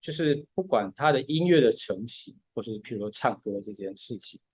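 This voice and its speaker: A man's voice: mid-range voice, lively intonation, brisk, a little mellow, breathy edge, no room sound. A man, patiently explaining music step by step in a casual podcast chat.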